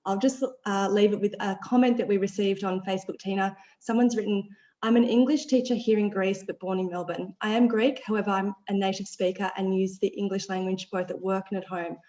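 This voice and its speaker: A woman's voice: mid-range voice, fairly even intonation, a little fast, warm tone, echoey room, lo-fi sound. A woman hosting a webinar, upbeat, reading out audience questions and wrapping up. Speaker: webinar host.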